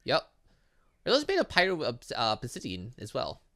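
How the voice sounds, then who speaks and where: Guy doing a lets play, reading game dialogue out loud, real animated and bright, playful side comments. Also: medium pitch, moderate pace. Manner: animated, interjecting, playful asides. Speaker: gaming channel host. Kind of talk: let's play commentary, reading visual novel dialogue aloud.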